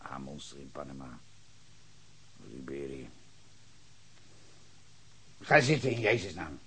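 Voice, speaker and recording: An actor playing a bitter, hard-drinking former sea captain under questioning, brooding low then flaring into furious shouts in a radio drama. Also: male voice, sing-song, takes it slowly, a little hiss or hum, full character voice. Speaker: suspect questioned by detective.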